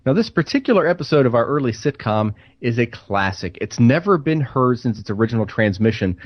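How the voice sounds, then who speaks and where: A man co-hosting a comedy show, reading a scripted mock-serious introduction with a deadpan delivery. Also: medium pitch, fairly quick, no room sound. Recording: dull, dry close sound.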